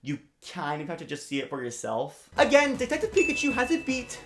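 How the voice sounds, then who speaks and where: A woman's voice: lowish voice, huge pitch swings, a little fast, soft background music. A woman host narrating an opinionated video essay in a playful, casual and emphatic conversational way.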